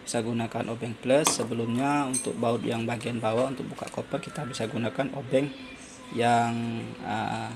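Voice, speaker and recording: Man, flat delivery over clear noise. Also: medium pitch. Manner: halting, pausing often mid-explanation. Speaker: phone repair tutorial host. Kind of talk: informal hands-on tutorial narration. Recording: clearly noisy amateur recording.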